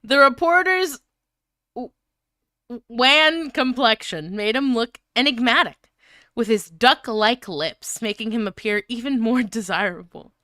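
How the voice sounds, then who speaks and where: Female streamer, giggly reader-chatter, smooth clear tone, unhurried pace. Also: fairly high pitch, lively intonation, sharp tone, no echo, clean studio sound. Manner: giggly, flustered, breaking up while reading. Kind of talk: live fanfiction reading with casual chat.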